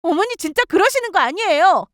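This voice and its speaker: A fierce young mother fights back at her in-laws with heated, scolding outbursts, voiced by a woman. Her voice rides high and swoops widely. The sound is close and dry, a radio story drama. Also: big pitch swings, a little fast, a bit bright, no echo, exaggerated voice. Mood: furious.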